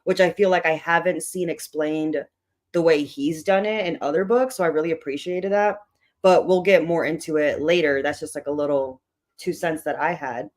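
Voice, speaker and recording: A hoarse book club host with a tired voice, chatting loosely with many fillers while opening an online meeting. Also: mid-range voice, fairly even intonation, normal speed.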